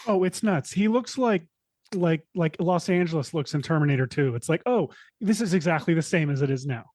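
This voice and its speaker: A man's voice: fairly high pitch, animated, fairly quick, darkish tone, no echo. A younger adult man, a filmmaker guest, chatting enthusiastically and rambling with lots of fillers. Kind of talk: casual interview chat.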